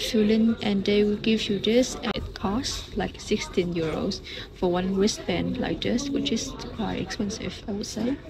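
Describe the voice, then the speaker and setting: A woman talks at a fairly slow pace. Noticeable background noise sits behind her. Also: ordinary pitch variation. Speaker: travel vlogger. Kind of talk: casual vlog chat. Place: boat. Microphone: phone near.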